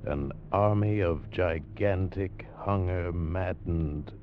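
A man narrating a dramatic radio trailer in an ominous, slow way. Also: sits low, a little hiss or hum. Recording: dull old radio broadcast with loud music.

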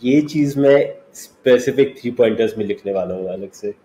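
Indian male podcast host, mellow mid-pitched voice, measured, conversational, very roomy sound. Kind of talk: interview conversation. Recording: roomy echo, faint background noise.

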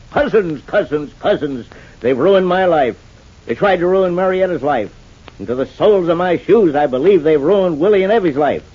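A man's voice: fairly high pitch, slightly rough. An actor playing Shuffle, a plain-spoken rural older man with a rural American accent, talking in an earnest, folksy drawl in a radio soap. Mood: indignant. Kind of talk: 1940s radio acting. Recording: dull old radio transcription.

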